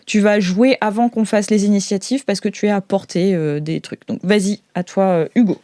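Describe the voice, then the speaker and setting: A woman's voice: medium pitch, steady tone, normal speed, mellow, no room sound, studio quality. A woman running an improvised tabletop game, narrating casually and hesitantly as she thinks aloud. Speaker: game master.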